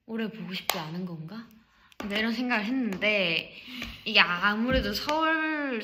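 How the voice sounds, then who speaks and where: A young woman with a very bright, ringing tone chats casually on a livestream. Her pitch jumps around a lot as she talks. She laughs easily and now and then drops into quiet little asides. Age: young adult. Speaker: idol group leader on a livestream.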